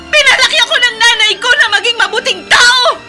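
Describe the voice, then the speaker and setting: A woman's voice: very high-pitched, a little fast, over loud music. An actress playing a young Muslim woman protesting with tearful passion in a radio drama. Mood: anguished.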